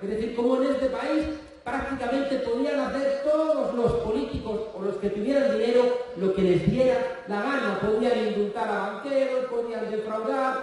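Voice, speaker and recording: A man's voice: extremely high pitch, darkish tone. A man from Spain with a Spanish accent giving a sarcastic, joke-filled political rally speech, talking straight to the crowd. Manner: sarcastic, joke-telling, addresses crowd directly. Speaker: political speaker. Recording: echoey hall, distant mic, faint crowd.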